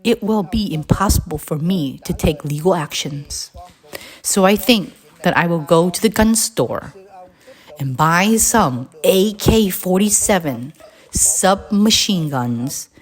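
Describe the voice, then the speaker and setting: A woman reading a scripted address aloud in a deliberate, halting way, phrase by phrase. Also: lowish voice, lively intonation, slightly rough. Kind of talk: scripted read-aloud narration.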